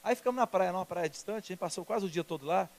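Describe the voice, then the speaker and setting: A man preaching a sermon as pastor, telling personal stories in an emphatic, lively way. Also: high voice, fast, vocal fry.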